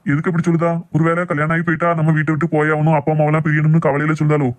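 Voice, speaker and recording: A man's voice: a little high, monotone, rapid-fire, close to an everyday voice. A man voicing a stubborn, protective middle-aged village father in a cartoon family drama, assertive, with a Tirunelveli Tamil accent. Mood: confident, reassuring. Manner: assertive, dismissive of objections.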